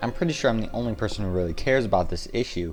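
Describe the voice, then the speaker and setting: Music plays in the background as a man with a fairly low pitch talks at a very fast pace. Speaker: YouTuber. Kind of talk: video game commentary.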